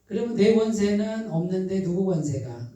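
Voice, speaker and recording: A pastor with a Chungcheong accent gives a midweek sermon. The pastor keeps putting questions to the congregation, answers them, and repeats key phrases slowly and softly for emphasis. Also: medium pitch, animated. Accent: Chungcheong Korean. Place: church sanctuary. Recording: very echoey hall, voice from a distance.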